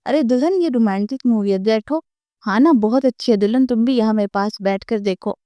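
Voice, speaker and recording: A woman voicing a gentle, simple-minded grown man in a storybook reading, with a smooth voice. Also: a little high, no room sound, lightly acted.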